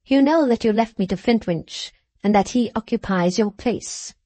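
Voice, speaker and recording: A woman voicing a stern, unyielding older mother, a widow in a wheelchair, who speaks in a slow, measured way. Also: mid-range voice, warm tone, no room sound, natural voice.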